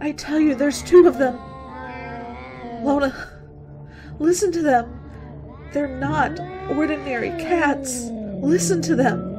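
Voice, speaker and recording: A young woman playing a frightened, pleading college girl in a suspense radio play, with halting, repetitive delivery. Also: high voice, loud music behind the voice. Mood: panicked. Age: young adult. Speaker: radio drama actor.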